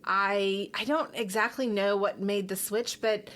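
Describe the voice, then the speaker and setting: A woman's voice: medium pitch, steady tone, unhurried, a bit bright. A middle-aged woman from Texas, a podcast guest talking casually and openly, with lots of fillers. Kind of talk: casual interview chat.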